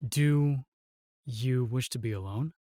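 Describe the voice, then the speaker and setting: A gallant, protective knight played by a man for a fantasy audio roleplay. He speaks formally and courteously in a middle-pitched voice. The sound is dry and close, the manner earnest and reserved. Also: takes it slowly, dark tone, no echo, natural voice. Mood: gentle, courteous.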